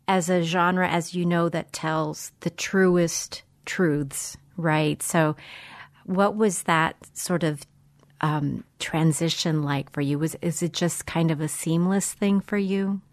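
A woman hosting a public radio book program, reading a literary introduction and asking an author about her work in a measured way. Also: lowish voice. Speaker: radio host.

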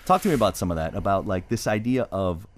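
Lively middle-aged radio host. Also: male voice, sits low, quick pace. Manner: conversational, drops in Spanish words. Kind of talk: public radio interview. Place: radio studio. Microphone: close studio microphone.

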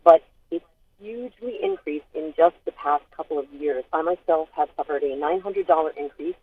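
A woman's voice: sits low, moderate pace, husky. A middle-aged woman calling in to a radio show over the phone, making a firm, corrective point. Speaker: caller. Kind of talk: call-in radio comment. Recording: tinny phone line.

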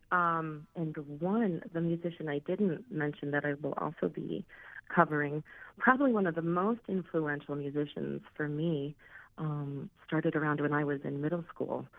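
Guest spot: chatty woman singer, late thirties, deep voice, heard over a thin phone line. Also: fairly even intonation, moderate pace, gravelly, dry recording. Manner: chatty, laughing, many ums. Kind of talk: casual interview chat.

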